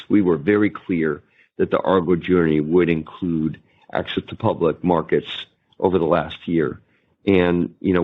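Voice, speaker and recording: A male company executive answering questions on an earnings call over a tinny conference line. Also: low voice.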